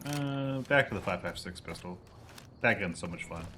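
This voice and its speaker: Young guy streamer joking around, sarcastic n sweary, bright punchy voice, faint noise behind. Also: low voice, lively intonation, moderate pace. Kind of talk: casual game commentary.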